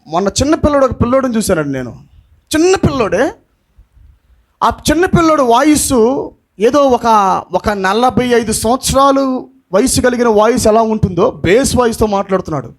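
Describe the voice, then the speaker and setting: A male pastor preaching an impassioned sermon, dropping in English phrases and shouting the lines he wants to stress. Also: very high-pitched, animated, normal speed, long pauses.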